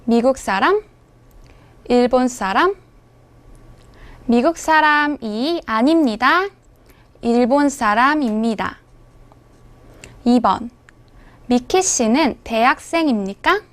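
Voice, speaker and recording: A woman language teacher giving scripted instructional narration, with clear, measured enunciation. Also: a little high, animated, a bit bright.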